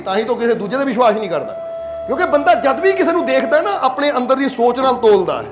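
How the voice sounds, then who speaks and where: A man's voice: extremely high pitch, reverberant. A man from Punjab, India, giving a sermon as a spiritual leader, telling stories and often asking listeners if they understand. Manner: storytelling, plain conversational preaching. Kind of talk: sermon to a congregation.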